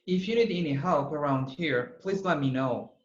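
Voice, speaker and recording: A man, an English student, reading a practice dialogue in a quiet, measured way over a video call. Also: on the high side, lively intonation. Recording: roomy, dull video call audio.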